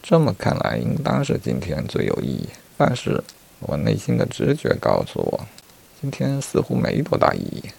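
A man's voice: fairly low pitch, huge pitch swings, normal speed, vocal fry, a little mellow, slightly rough, voice pushed up, full character voice. A man telling a story and voicing a talkative male rabbit who reasons earnestly about the meaning of his life before death. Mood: earnest musing.

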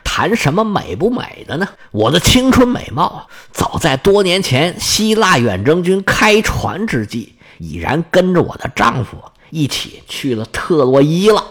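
A man voicing a reserved, sorrowful middle-aged noble lady who speaks in measured, sighing tones. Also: on the high side, sing-song, a bit bright, exaggerated voice. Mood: modest.

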